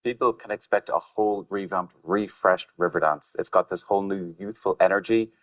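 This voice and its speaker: Low voiced guy from the dance cast, hyped, pitching the show on tv. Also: fairly even intonation, a little fast, fairly bright tone. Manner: enthusiastic, promotional. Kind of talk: promotional TV interview. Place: TV studio.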